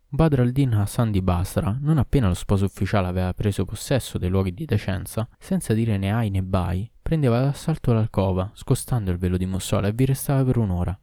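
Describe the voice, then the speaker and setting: A man narrating a classic tale in a steady storytelling reading. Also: on the low side, a little fast, no echo, studio quality. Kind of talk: audiobook reading.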